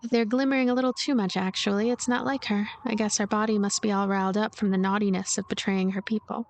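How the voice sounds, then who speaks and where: A woman's voice: mid-range voice, fairly even intonation, fast. A woman doing a voiced let's play, narrating a story game aloud with casual commentary. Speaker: let's player reading game text aloud.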